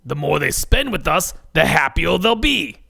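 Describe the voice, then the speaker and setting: A man voicing a bossy, officious woman who trains pizza store staff, with a gravelly voice, in a comedic story. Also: medium pitch, very animated, normal speed, bright, forceful tone, no room sound, studio quality, pitched above the performer's own voice, heavily acted. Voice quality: gravelly, creaky. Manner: officious, corporate-script delivery.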